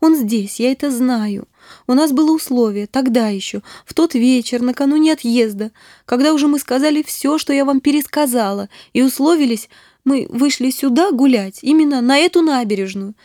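A woman's voice: high voice, moderate pace, dark tone, no room sound, studio quality, close to an everyday voice. A woman reading a tearful, desperate young woman. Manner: emotional, breaking into sobs. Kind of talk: audiobook reading.

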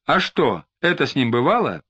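A man reading as a calm probing detective. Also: mid-range voice, slightly rough. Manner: measured questioning, faintly squeamish. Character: calm, mildly disdainful male police detective. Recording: slightly dull lo-fi recording.

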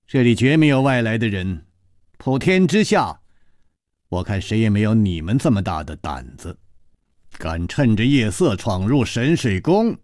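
A male storyteller voicing a haughty, menacing woman in white who speaks low and quietly. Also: sing-song, a little slow, no echo, clean studio sound. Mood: cold. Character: cold haughty woman in white, sect leader.

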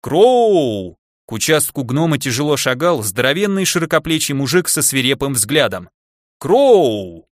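A man narrating a fantasy audiobook in a steady, even reading voice, close to the mic. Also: mid-range voice, fairly quick, hardly any pauses, dry recording. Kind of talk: scripted narration.

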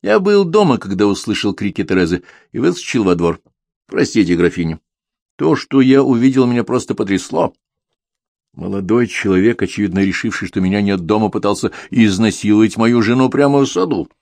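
A man voicing a hot-tempered, jealous husband in an audiobook, speaking in an agitated, forceful way. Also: lowish voice, animated, brisk, creaky, no echo.

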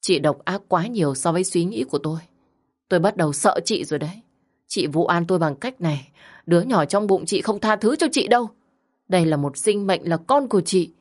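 A woman's voice: fairly low pitch, animated, fairly quick. A woman voicing a young woman who speaks in a tense, insistent way. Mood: indignant. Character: young woman, wronged and indignant.

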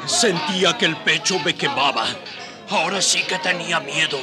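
A man's voice: fairly high pitch, normal speed, loud music behind the voice, lightly acted. An actor playing a brave indigenous rebel leader who narrates his war in an earnest, dramatic radio-novel style. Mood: solemn, resolute.

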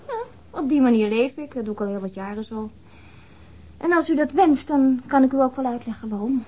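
A woman's voice: high voice, lively intonation, a little fast, highs cut off. An actress in a radio drama playing a frank, flirtatious woman witness who speaks in a hesitant yet candid, matter-of-fact way. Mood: frank, insistent. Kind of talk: radio drama acting, naturalistic dialogue.

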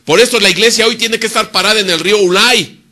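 A fast-talking man gives a sermon in which he answers his own rhetorical questions. He shifts back and forth between loud emphasis and soft, low asides.

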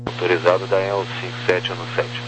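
Crackly radio, deep monotone Brazilian man. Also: a little fast. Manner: formal, concise. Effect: crackly aviation radio. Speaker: air traffic controller. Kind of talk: procedural radio instructions. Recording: humming, noisy radio transmission.

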